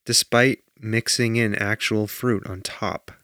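A man co-hosting a podcast, chatting casually and telling rambling stories in a deadpan way with plenty of fillers. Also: lowish voice, takes it slowly, no echo, studio quality. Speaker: podcast co-host. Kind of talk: casual chat.

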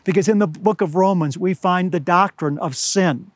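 Older guy preaching outside, kinda hoarse, high voice, slow and earnest on the big words, dry close sound. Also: dry recording. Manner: earnest, deliberate, slows to stress words. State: slightly hoarse. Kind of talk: outdoor sermon. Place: outdoors among pine trees at high altitude.

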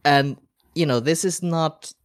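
A man's voice: fairly high pitch, unhurried, clear, resonant tone, no echo, studio quality. A man co-hosting a casual podcast chat, rambling and hesitant with frequent restarts. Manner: rambling, hesitant, many fillers and restarts, laughs often.

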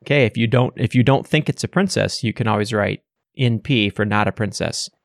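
A man runs a relaxed guessing game at home, calmly explaining the rules and reading out the list of answers. His voice has a gravelly fry in it, and the sound is close and dry. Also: fairly low pitch, fairly quick, dry recording. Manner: easygoing, guiding the players. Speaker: quiz host. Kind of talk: casual game chat.

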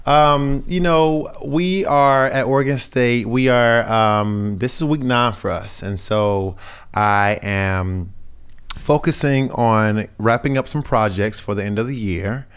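A young man with a raspy voice from a sinus infection, talking earnestly and carefully as an interview guest, with frequent fillers and restarts. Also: medium pitch, slow. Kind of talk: casual conversational interview.

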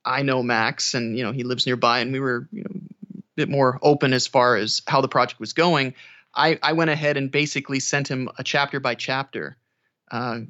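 A man's voice: medium pitch, steady tone, normal speed, bright, forceful tone, muffled recording. A man who narrates audiobooks, talking casually as a guest in an interview.

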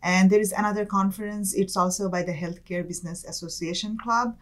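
A Bangladeshi woman in her thirties, a business school student, chats briskly as a guest in a conversational interview. Her mid-range voice stays fairly even as she laughs lightly and leans on "like" and "kind of" with a Bangladeshi accent.

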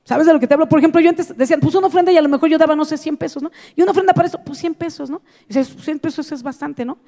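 High-voiced Mexican woman preaching in a hall. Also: rapid-fire. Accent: Mexican Spanish. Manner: animated storytelling, acting out her own past reactions. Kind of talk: sermon.

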